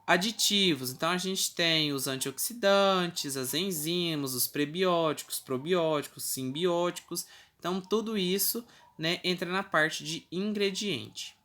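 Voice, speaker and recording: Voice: mid-range voice, measured pace, sharp tone. A teacher with a Brazilian Portuguese accent giving a recorded class, explaining step by step with frequent checking tags and the odd self-correction. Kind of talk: recorded online class lecture.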